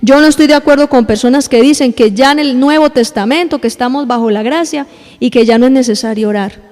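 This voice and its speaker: A woman pastor delivers a sermon and turns often to the congregation, telling them what to say to the person beside them. Her voice sits high. A long church reverb trails behind every phrase. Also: fast talker, darkish tone. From Colombia. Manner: addresses the congregation directly, acts out little scenes. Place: church hall.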